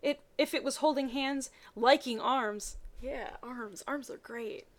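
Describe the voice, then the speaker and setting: A woman's voice: high-pitched, unhurried. A woman reading a story aloud dramatically, breaking off for playful, mocking asides. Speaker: reader of fan fiction.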